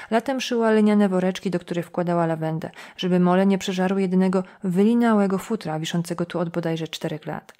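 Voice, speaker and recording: A woman narrating a crime novel audiobook in a measured, steady way. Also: fairly low pitch. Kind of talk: scripted narration.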